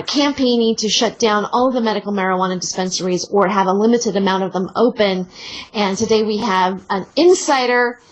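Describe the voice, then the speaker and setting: A woman's voice: medium pitch, low-quality recording. A woman hosting a casual radio talk show, interviewing guests and stumbling over words at times.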